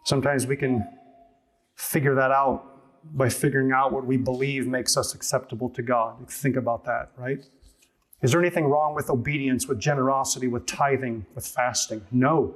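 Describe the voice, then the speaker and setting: Pastor, male, mid-pitched husky voice, earnest emphatic sermon delivery with pointed questions.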